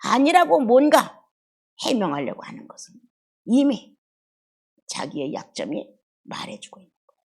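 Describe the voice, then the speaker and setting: Gravelly, fervent woman preacher. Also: on the high side, very animated, normal speed, long pauses. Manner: emotional, swings between loud outbursts and hushed murmurs. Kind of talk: expository sermon.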